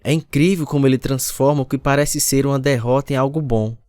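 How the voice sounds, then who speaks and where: A man's voice: mid-range voice, fairly even intonation, a little fast, mellow, no room sound, clean studio sound, lightly acted. A man with a Brazilian accent playing a devout, grateful retired teacher in a radio drama, speaking earnestly. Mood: calm, devout. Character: devout retired special education teacher, grateful older husband. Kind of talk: radio drama acting with first-person narration.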